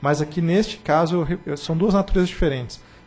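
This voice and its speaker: A man's fairly high voice with fairly even intonation and a Brazilian accent. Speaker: regulatory agency board member. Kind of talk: deliberative discussion. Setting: public board meeting.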